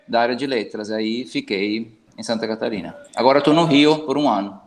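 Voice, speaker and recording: A man's voice: medium pitch, brisk. A man from Italy, a musician and professor, speaking reflectively on a live call. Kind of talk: casual interview talk.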